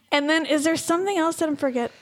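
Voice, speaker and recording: A woman's voice: high voice, a little fast. A woman co-hosting a podcast, chatting casually with frequent laughter and rambling, self-interrupting sentences. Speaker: podcast co-host. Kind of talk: casual chat.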